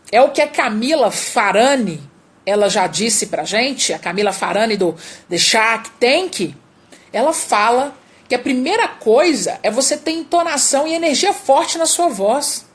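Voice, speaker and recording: Female speaking coach, Brazilian accent, high voice, emphatic and repetitive for stress. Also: very animated, a little slow. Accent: Brazilian Portuguese. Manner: emphatic, repeats key words, demonstrates vocal exercises. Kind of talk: live-streamed speaking lesson.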